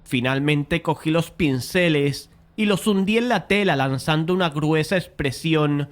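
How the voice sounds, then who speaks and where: A man playing a polite, easily frustrated painter who narrates a dramatized horror audiobook in a measured, literary way. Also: fairly high pitch, close to an everyday voice. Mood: measured, uneasy.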